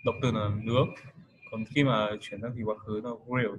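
A man's voice: fairly low pitch, fairly even intonation, dull audio, a little hiss or hum. Patient man teaching vocabulary. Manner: patient, explains slowly with many fillers. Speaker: English tutor. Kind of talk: casual vocabulary lesson.

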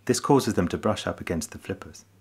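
A man narrating a short nature documentary in a calm, measured, explanatory voice-over. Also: deep voice, slightly rough. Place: voice-over, not recorded in the pictured hive.

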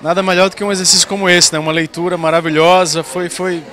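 Young man, Pernambuco accent, actor, fast talker, bright voice. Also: sits high, little pitch movement. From Pernambuco, Brazil. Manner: enthusiastic, quick. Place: backstage at a theater, indoors. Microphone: handheld interview mic.

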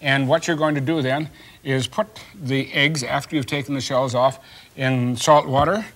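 A man's voice: medium pitch, fairly even intonation, normal speed, fairly bright tone, a little hiss or hum. An older man hosting a children's science show, patiently asking questions and explaining an experiment in a kitchen set. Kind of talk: teaching a child.

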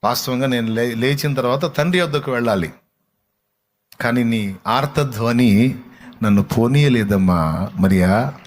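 A man preaching in the voice of Jesus, gently speaking to a grieving woman. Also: mid-range voice, close to an everyday voice. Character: Jesus, tender man comforting a weeping woman.

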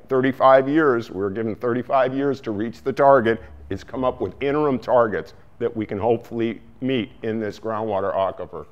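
A man's voice: medium pitch, dull audio. An older man giving a plain, explanatory talk to farmers in a meeting hall. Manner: plain explaining, some restarts. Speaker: coalition speaker. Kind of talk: presentation to growers. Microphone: far camera, no mic seen.

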